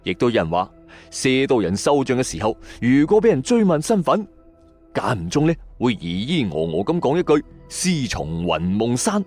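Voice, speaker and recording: A man's voice: mid-range voice, big pitch swings, normal speed, darkish tone, soft background music. A man with a Hong Kong Cantonese accent narrates scripted mystery tales as a channel host, using colloquial asides and rhetorical questions.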